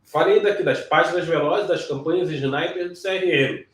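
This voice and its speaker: A man's voice: a little high, normal speed. A man teaching real estate agents sales technique, explaining step by step and checking in often with short questions. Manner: explanatory, frequent check-ins like "ok?" and "certo?", some restarts. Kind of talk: sales training lesson. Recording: echoey room, voice from some distance.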